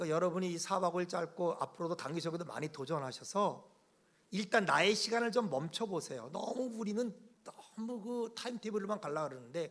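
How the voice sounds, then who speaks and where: This man's voice sits at a high pitch. His intonation is lively. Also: fairly quick pace. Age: 60s. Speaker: pastor. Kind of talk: lecture.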